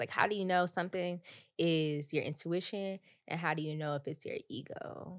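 A fairly low-pitched woman talking at a fairly quick pace, on a very clean recording with a silent background. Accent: American. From US South. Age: 20s. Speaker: podcast host. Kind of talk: casual chat. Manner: animated.

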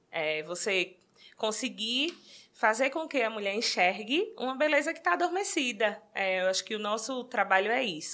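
On a very clean recording with a silent background, a woman with a fairly high pitch and a bright, sharp tone makes very wide pitch swings. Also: moderate pace. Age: 30s. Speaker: hairdresser and salon owner. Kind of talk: interview.

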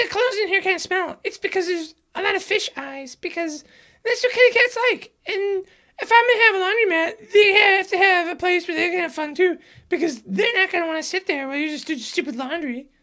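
Pitched extremely high, a put-on character voice rattles along at a fairly quick pace.

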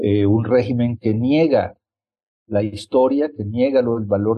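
A man with an unremarkable speaking voice talks at a fairly slow pace in a fairly low pitch. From El Salvador. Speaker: exiled left-wing politician. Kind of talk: interview.

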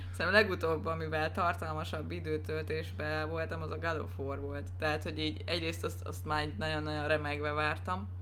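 With a very deep, low pitch, a man talks at a moderate pace in a monotone, flat intonation, with hardly any pauses and audible room echo. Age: 30s. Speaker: podcast co-host. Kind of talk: casual chat.

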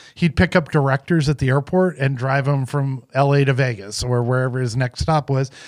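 Moderate pace and hardly any pauses from a man with a normal speaking voice at medium pitch, in a dry, close sound with no echo. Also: fairly even intonation, very clean recording, silent background. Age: 50s. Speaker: podcast co-host. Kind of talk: casual chat.

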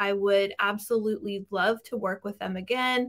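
The clip has an unremarkable speaking voice with fairly even intonation. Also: woman. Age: 40s. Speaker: horror book reviewer and author. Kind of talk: casual chat.

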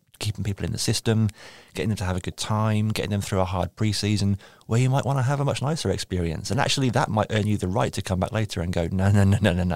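A man with a British accent speaks very fast at a fairly low pitch, with ordinary pitch variation. The recording is very clean with a silent background, and the sound is dry and close with no echo. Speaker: university professor. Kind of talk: casual interview.

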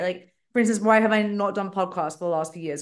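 A woman's medium-pitched voice with an English accent and ordinary pitch variation. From England. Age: 30s. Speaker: venture capitalist. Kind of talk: casual chat. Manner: halting.

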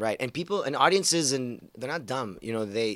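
In a very clean recording with a silent background, a man with a Montreal accent speaks at a fairly quick pace, at a medium pitch, with lively intonation and a bright, sharp tone. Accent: Canadian English, Montreal. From Canada, Montreal. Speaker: comedian. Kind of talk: casual interview chat. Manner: fast talker.

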